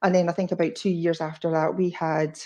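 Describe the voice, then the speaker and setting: A dark, mellow tone comes through in a Scottish accent against a quiet background. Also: woman. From Scotland, Edinburgh. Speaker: interview guest. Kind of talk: interview, personal story.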